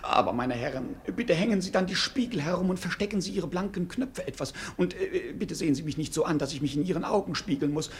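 Actor as wildly lilting, whimsical court fool. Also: male voice, on the high side, expressive, fast, few pauses, close to an everyday voice. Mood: mock bewilderment. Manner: mock-grandiose, rambling, clownish. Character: whimsical, rambling male court fool posing as showman. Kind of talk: theatrical German radio play acting.

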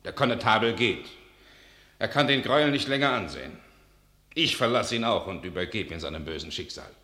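A proud, hot-blooded medieval count, blunt and declamatory. His lowish voice is sharp and forceful, set in a roomy radio-play sound. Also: lively intonation, fairly quick. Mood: indignant. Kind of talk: classical radio drama acting.

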